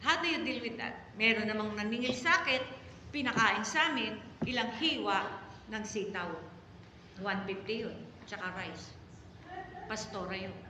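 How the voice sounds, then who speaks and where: A middle-aged Filipino woman pastor preaching a story-filled sermon, with sudden loud exclamations and drawn-out emphasis. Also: mid-range voice. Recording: echoey hall reverb, faint background noise.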